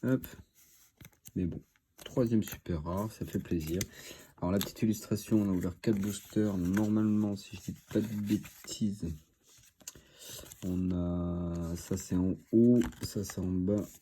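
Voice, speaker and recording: With a low, dark voice and fairly even intonation, a man with a cold talks unhurriedly while hosting a card-opening video. His stuffy, filler-heavy musings accompany the booster packs, and there's a slight hiss or hum.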